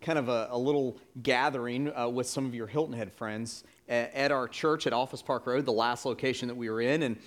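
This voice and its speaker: A man's voice: medium pitch, steady tone, brisk, few pauses. A pastor interviews members of his church. He speaks in an easy, encouraging, conversational way, with a mid-range male voice.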